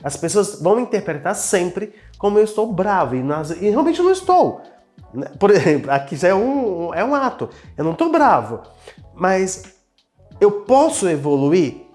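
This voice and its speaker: A man's voice: high voice, sing-song, moderate pace, darkish tone, faint music behind. A man with a Brazilian Portuguese accent, a business owner sharing personal experiences in an earnest, casual conversation. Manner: earnest, personal, self-reflective storytelling.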